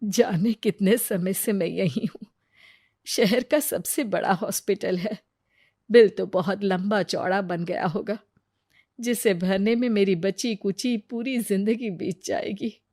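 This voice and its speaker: A woman voicing a worried middle-aged woman patient in a cartoon story, speaking softly and anxiously. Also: medium pitch, a little slow, no echo, studio quality. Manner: anxious, soft.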